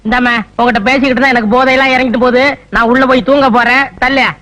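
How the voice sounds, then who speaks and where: An actor playing a hapless, bumbling drunk village man with quick-tempered, grumbling comebacks, in an old film comedy. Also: very high voice, level tone, noisy background. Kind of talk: 1980s Tamil film comedy.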